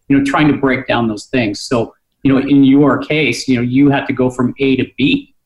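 A man's voice: medium pitch, steady tone, moderate pace, darkish tone. Conversational man hosting, echoey room. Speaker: host. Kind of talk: casual talk show chat.

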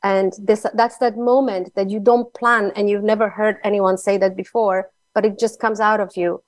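A woman's voice: mid-range voice, flat delivery, normal speed, dry recording. Woman w slovak accent chatting as a guest author, dry sound no room. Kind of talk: conversational interview, personal anecdotes.

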